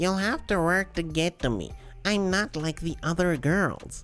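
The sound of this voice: Clear music plays behind a put-on character voice at middle pitch. The delivery moves at a moderate pace.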